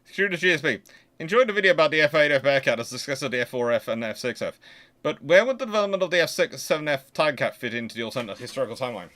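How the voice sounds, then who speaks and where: Speaking very fast and expressively, a man with a mid-range, fairly bright voice hosts a casual live Q&A on naval history. He answers viewer questions in a chatty, digressive way, often tossing out rhetorical questions as he explains.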